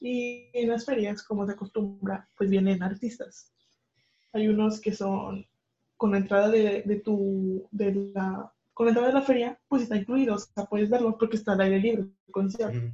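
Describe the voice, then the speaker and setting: With a dark, mellow tone, a woman speaks somewhat breathily at a moderate pace and with fairly even intonation. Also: medium pitch for a woman. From Reynosa, Tamaulipas, Mexico. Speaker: podcast co-host. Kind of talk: casual chat.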